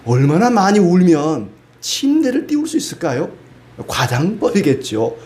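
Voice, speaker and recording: A man's voice: sits high, big pitch swings, moderate pace, a little mellow. A man preaching a sermon in a conversational way, dropping frequent rhetorical asides and rising into pleading emphasis. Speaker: pastor.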